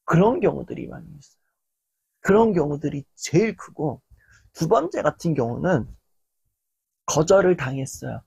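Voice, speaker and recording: A young man with a fairly high, gravelly, slightly rough voice gives a casual lecture at normal speed, leaving long pauses. He talks animatedly and acts out people's quoted reactions.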